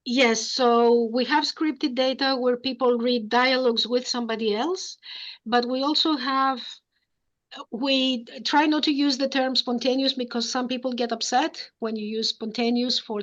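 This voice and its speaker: Woman professor, measured explanations, muffled audio. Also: on the high side, fairly bright tone. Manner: measured, explanatory, thinks aloud. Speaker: professor answering audience questions. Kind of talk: academic lecture Q&A.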